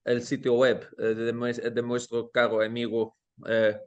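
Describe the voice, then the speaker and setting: Slow, hesitant man. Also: medium pitch, completely flat delivery, clear, resonant tone, lo-fi sound. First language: Dutch. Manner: hesitant, searching for words, many fillers and restarts. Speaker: guest, language teacher. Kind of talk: casual interview conversation. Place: home in Amsterdam.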